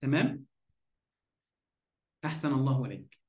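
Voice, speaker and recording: A man's voice: mid-range voice, animated, moderate pace, reverberant. A man with an Egyptian accent teaching Arabic grammar in an online lesson. He poses questions, answers them himself, and keeps checking that his students follow.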